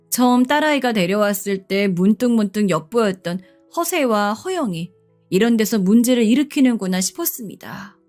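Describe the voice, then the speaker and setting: A woman reading a first-person radio story in a steady scripted narration, over faint background music. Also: mid-range voice.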